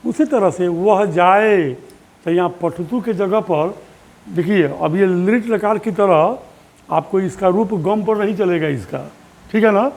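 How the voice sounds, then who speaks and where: Male teacher, high voice, unhurried, drills forms aloud and quizzes pupils. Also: creaky, darkish tone. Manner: patient, repeats drill forms aloud slowly; asks questions of pupils. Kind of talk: online classroom lesson.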